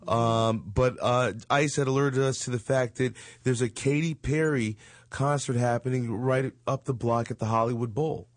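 A man's voice: medium pitch, steady tone, moderate pace, no echo, clean studio sound. A man in his forties hosting a chat show, rambling and joking with lots of fillers. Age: 40s. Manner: loose, rambling, joking, with frequent fillers and laughs. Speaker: show host. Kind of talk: casual chat show banter.

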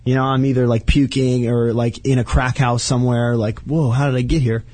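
A man's voice: mid-range voice, little pitch movement, fairly quick, a little mellow, no room sound. A man of thirty, a guest telling frank stories about his past, with many "like"s in his speech. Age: 30s. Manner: candid, confessional, many "like"s. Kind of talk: casual chat, storytelling.

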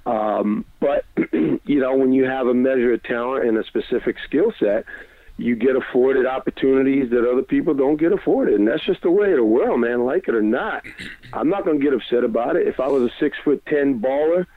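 A man calling in to a sports talk show by phone, chatting casually in a relaxed, mellow manner. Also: mid-range voice, fairly quick, dry recording. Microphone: phone call. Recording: tinny, narrow-band phone line.

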